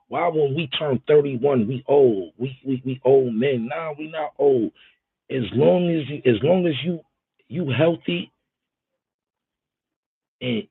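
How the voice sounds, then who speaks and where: A man's voice: mid-range voice, vocal fry, slightly rough, no room sound. A man hosting a live stream in casual chat, greeting viewers and talking in a rambling, emphatic way straight to them. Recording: tinny phone-like audio.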